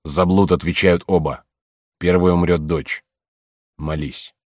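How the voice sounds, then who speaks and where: A man's voice: low voice, fairly even intonation, no echo, clean studio sound. Man doing a wrathful older samurai father. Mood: cold. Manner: loud, slow, scolding.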